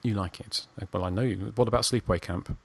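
A man's voice: fairly low pitch, fast, creaky, husky. A man hosting a podcast in a casual, chatty way. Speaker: podcast host. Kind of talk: casual chat.

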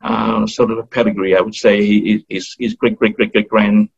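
A man's voice: on the low side, little pitch movement, normal speed, gravelly, breathy edge. A man with an Australian accent, talking hesitantly as an interview guest with many fillers and restarts. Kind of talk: casual interview talk. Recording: dull lo-fi recording.

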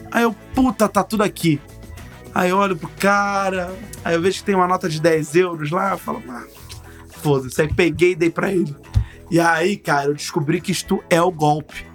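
A man telling a travel story in casual chat, swearing often and bursting into shouted voices. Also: high voice.

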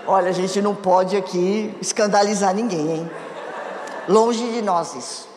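A woman's voice: mid-range voice, unhurried, noisy background. A woman giving a conversational sermon on marriage to a congregation, often asking them questions. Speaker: church speaker. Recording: echoey hall with long reverb.

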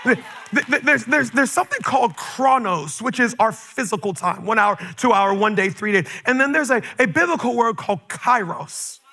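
A man raised in the Caribbean preaches in a strikingly high voice with a gravelly edge. He is fervent and forceful, breaking into shouts and quickly repeating words as he drives his points home to a church congregation. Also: animated, rough recording. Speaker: pastor. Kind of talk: sermon. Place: church sanctuary with a live congregation.

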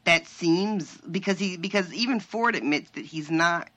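A woman co-hosting a podcast in casual chat, animated and laughing often. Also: lowish voice, normal speed. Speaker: podcast co-host.

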